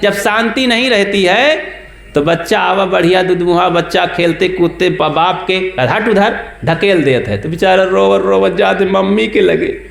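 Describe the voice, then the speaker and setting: A man's voice: sits high, measured pace, creaky, fairly bright tone, reverberant. A man preaching a folksy storytelling sermon at a satsang, often putting questions to his listeners.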